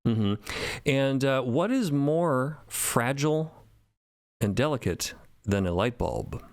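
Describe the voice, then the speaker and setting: A man's voice: mid-range voice, lively intonation, darkish tone, no echo, clean studio sound. A man, one of the show's creators, explaining ideas thoughtfully in a casual roundtable. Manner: thoughtful, deliberate, emphatic. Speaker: podcast co-creator.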